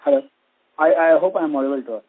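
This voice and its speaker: Analyst guy on phone, raspy n animated, tinny line. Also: fairly high pitch, fast. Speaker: analyst caller. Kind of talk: earnings call questioning. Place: conference phone call. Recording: muddy narrow phone line.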